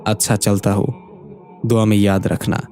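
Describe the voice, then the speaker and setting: Guy doing a flustered scaredy sidekick dude, pleading, mellow voice, faint music. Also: lowish voice, little pitch movement, normal speed, lightly acted. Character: bumbling young male sidekick, easily scared.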